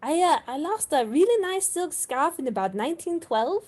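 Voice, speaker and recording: A woman playing a fussy, excitable male vampire dandy in a comedy table read. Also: high voice, moderate pace. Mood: fussy, eager. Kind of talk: video-call table read of a comedy film script. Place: remote video-call reading.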